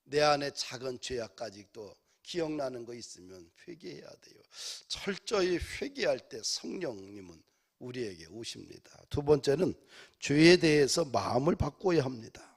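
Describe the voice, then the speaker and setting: Man, pastor, church sermon, gravelly voice, mid pitch, forceful exhortations. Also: animated, normal speed. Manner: preaching with rising emphatic exhortations.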